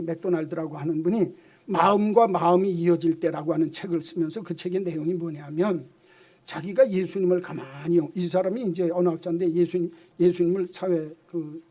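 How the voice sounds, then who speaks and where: A man with a fairly high voice delivers a sermon from the pulpit. He presses his points hard and keeps turning to the congregation with rhetorical questions. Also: mellow. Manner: emphatic, rhetorical questions, often addresses the congregation. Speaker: pastor.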